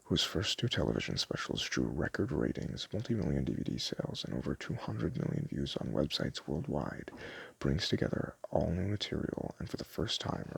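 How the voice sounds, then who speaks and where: A soft-spoken man doing a casual ASMR roleplay as a store clerk, chatting in a hesitant, rambling way. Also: low-pitched, vocal fry, slightly rough, dry recording.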